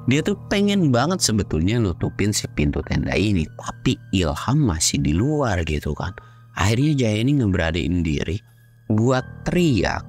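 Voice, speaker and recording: A man tells a ghost story in a casual, slangy style, as if talking to friends. His voice sits low and drops to a hush at the eerie parts. Faint music runs behind him. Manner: chatty slangy retelling, sudden shifts into hushed and loud moments. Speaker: horror story narrator.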